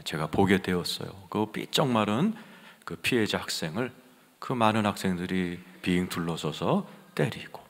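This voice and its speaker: A male senior pastor preaching a sermon with passion, dropping to hushed tones and rising to near-shouting. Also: sits low. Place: large church sanctuary. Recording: long hall reverb of a church.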